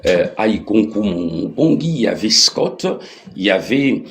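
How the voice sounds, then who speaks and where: A middle-aged man from the Congo with a Congolese accent, explaining himself as an interview guest in a halting, repetitive way. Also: on the low side, sing-song, fairly bright tone, a little hiss or hum. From Democratic Republic of the Congo. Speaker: interview guest, political activist. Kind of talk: explanatory conversational talk.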